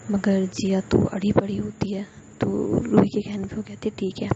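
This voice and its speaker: A woman's voice: mid-range voice, monotone, moderate pace. A woman casually telling a serialized story, acting out each character's lines in a chatty way. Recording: dull lo-fi with loud noise.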